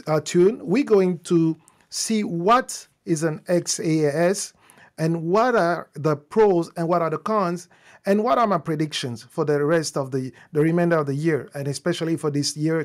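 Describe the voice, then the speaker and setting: A man whose first language is French, hosting a live-streamed tech talk in English, speaking off the cuff with restarts and fillers while greeting viewers. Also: on the high side. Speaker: host.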